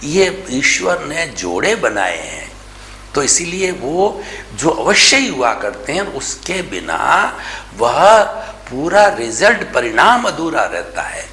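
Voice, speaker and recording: A man delivering a slow, deliberate spiritual discourse, his voice bright and rising and falling in wide swings. He presses his points home with rhetorical questions and the odd English phrase. The recording has an echoey room sound with a faint hum of ambience. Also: on the high side, sing-song. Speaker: spiritual teacher.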